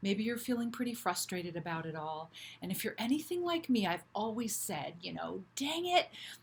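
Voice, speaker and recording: A woman's fairly high-pitched voice comes across as somewhat breathy. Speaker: health coach and author. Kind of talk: online class. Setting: live online class, recorded. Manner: fast.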